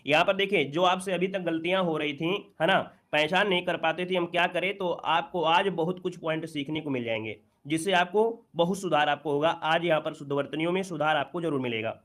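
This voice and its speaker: A man with a slightly higher-than-average voice leads an exam-prep Hindi spelling lesson. He walks through each question patiently and keeps asking rhetorical questions so he can answer them himself. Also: fairly quick, hardly any pauses, fairly bright tone.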